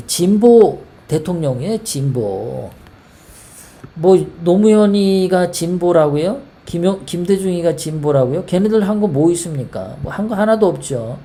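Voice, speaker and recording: A woman from South Korea hosts a political commentary show in a low, dark voice. Her talk runs heated and rambling, and she keeps throwing out rhetorical questions. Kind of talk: casual political monologue.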